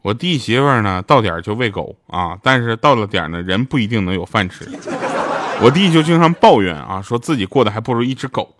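A man with a fairly low, expressive voice speaks a little fast. He voices radio dramas and is plugging his show here, telling funny stories in an easygoing monologue and chuckling at his own jokes.

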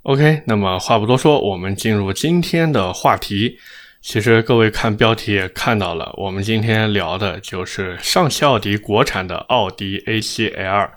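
A man's voice: lowish voice, moderate pace. A man hosting a car review show, speaking with slightly slurred, thick-tongued diction in a blunt, sarcastic, opinionated manner. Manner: blunt, sarcastic, rhetorical questions. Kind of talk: opinionated car commentary to audience.

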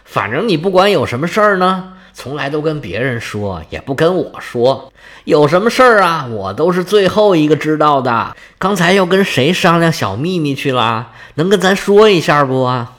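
A man plays the queen of the gods in a spoken storytelling tale, mocking and nagging. She jabs with sly sarcasm and sweeping pitch. Every line needles her husband. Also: very animated, normal speed, fairly bright tone. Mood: sarcastic.

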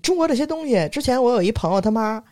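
A man's voice: very high voice, expressive, fast talker, warm tone, no echo, studio quality. A man telling workplace stories in a casual chat. He is blunt, swears freely, and mocks people as he acts out what they said. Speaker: podcast co-host.

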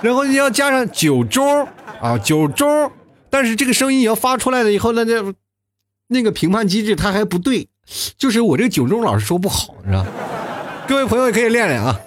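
A male talk show host reads listener messages and riffs on them. His pitch swings up and down as he talks, with a chatty, fast delivery, frequent tag questions and little chuckles. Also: lively intonation.

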